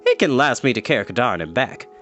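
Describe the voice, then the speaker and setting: A man's voice: mid-range voice, big pitch swings, fairly quick, fairly bright tone, lo-fi sound, soft background music. A man voicing a stout old warrior in a storybook, cheerful, hearty and wry with a folksy humor. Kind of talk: storybook character voice.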